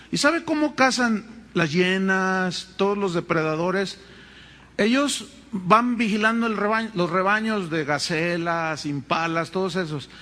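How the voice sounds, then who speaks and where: A Mexican man preaching a sermon as pastor, with animated, dramatic storytelling. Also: high-pitched.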